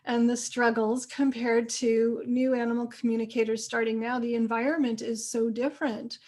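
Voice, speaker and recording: A woman's voice: fairly high pitch, little pitch movement, moderate pace, a little mellow. A woman host who reads an enthusiastic introduction of her guest and then interviews her. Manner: upbeat and enthusiastic. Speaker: summit host.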